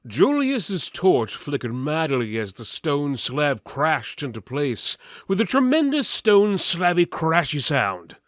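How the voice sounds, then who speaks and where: A man's voice: a little high, wildly swooping pitch, slow, hardly any pauses, fairly bright tone, dry recording, clean studio sound. Theatrical male fantasy narrator, swooping delivery. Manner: theatrical, mock-solemn. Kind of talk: dramatic reading of mock-epic fantasy.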